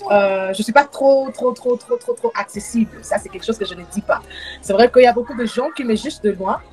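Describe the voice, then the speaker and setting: Brisk young woman from Congo, gospel singer guest on a video call, faint music behind. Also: fairly high pitch. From Democratic Republic of the Congo. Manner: soft-spoken, with frequent fillers and repetition. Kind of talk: casual live-stream chat.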